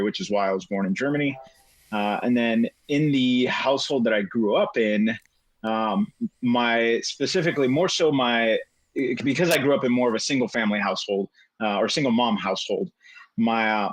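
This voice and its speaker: A man's voice: mid-range voice, no echo, rough recording. A middle-aged man, a guest telling his life story in a casual chat, rambling with many fillers. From United States.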